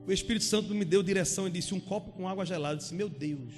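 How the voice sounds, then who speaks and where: A man preaches with a high, lively voice and acts out the people in his story. His voice rings through a church hall with a long echo, and soft music plays behind him. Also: rapid-fire. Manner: animated, acts out dialogue in the story. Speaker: pastor. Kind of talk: sermon storytelling.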